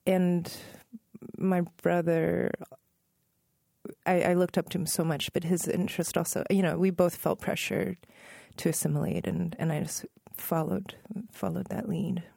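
She's a thirties-aged musician guest from Northern Virginia, USA, with a lowish, creaky voice. Relaxed and reflective in her interview answers, she often pauses, revises what she says, and laughs gently. The sound is clean studio audio with no room sound.

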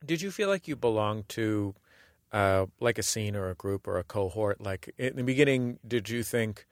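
A man's voice: fairly low pitch, expressive, normal speed, no room sound, clean studio sound. A male interviewer asking curious, casual questions.

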